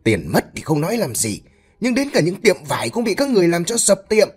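Male narrator voicing an enraged husband in a spoken tale: loud, high, accusing, bitter. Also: big pitch swings, brisk. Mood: furious. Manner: shouting, accusing. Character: furious middle-aged husband, stern and bitter.

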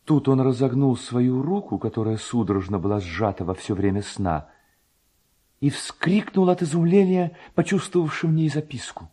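A man narrating a literary tale in an expressive, poetic, dramatic storytelling style. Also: medium pitch, moderate pace, breathy edge.

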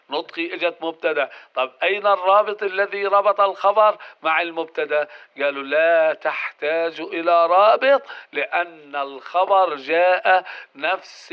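A man's voice: a little high, clean tone. Man teaching grammar. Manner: explains step by step, asks questions and answers them himself. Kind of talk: explanatory grammar lesson. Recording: dull lo-fi recording.

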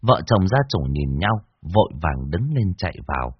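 A man narrating a ghost story in a lively, dramatic way. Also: sits low, moderate pace, slightly rough, no echo. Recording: dull lo-fi dry recording.

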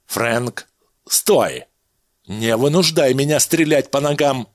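A cold, composed doctor from a storybook, giving clipped, measured orders with quiet menace, as a male narrator voices him. His voice is husky and sits close and dry. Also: lowish voice, sing-song, no room sound, full character voice. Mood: menacing.

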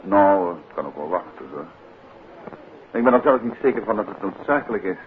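An urbane gentleman detective in an old radio play, with a deep voice and very lively intonation. He is unruffled, evasive and dryly ironic. The recording is muffled, with some background noise. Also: brisk. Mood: relaxed, teasing. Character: unruffled, evasive middle-aged gentleman detective, teasing husband. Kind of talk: 1950s Dutch radio drama acting.

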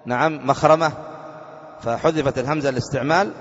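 A man's voice: mid-range voice, big-room sound, dull audio. A man teaching an Arabic grammar lesson as a sheikh, reading a text aloud and quizzing his students with questions. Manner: reads a text aloud slowly, then explains it.

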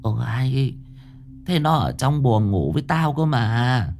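A man's voice: mid-range voice, lively intonation, slow pace, gravelly, a little mellow, slight background noise, pitched above the performer's own voice. Brief: elderly grieving grandmother, lamenting cries, voiced by a male narrator. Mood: puzzled. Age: older. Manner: lamenting, crying out, sobbing. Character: old grieving grandmother, wailing to heaven.

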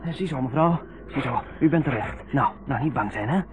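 An actor playing a chatty, reassuring young ship's doctor in a Dutch radio play. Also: male voice, medium pitch, expressive, a little fast, lightly acted. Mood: brisk, urgent. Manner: chatty, reassuring, repeats himself. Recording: noisy narrowband old radio recording.

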